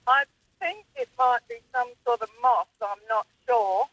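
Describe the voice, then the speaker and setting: A woman with a chatty, exasperated manner, calling a talkback show over a phone line from her car on speakerphone, halting with ums. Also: fairly high pitch, sing-song, fairly bright tone, no echo. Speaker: talkback caller. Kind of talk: casual chat.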